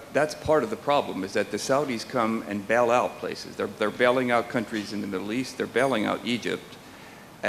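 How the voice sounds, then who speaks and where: Low-voiced man in an echoey hall. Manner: halting, restarts. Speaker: panelist. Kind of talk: panel discussion response. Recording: echoey hall, faint rumble.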